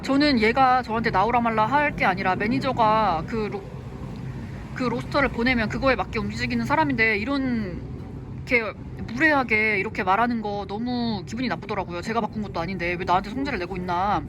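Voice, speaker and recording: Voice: mid-range voice, a little fast, background noise. Chatty vlogger venting in a cafe. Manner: chatty, venting frustration about a coworker. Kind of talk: casual vlog monologue. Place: cafe, eating a meal.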